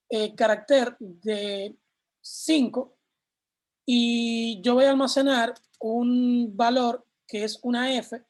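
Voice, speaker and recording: A man teaching a programming class, explaining step by step and answering his own questions as he goes. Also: extremely high pitch. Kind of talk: live class explaining code on screen.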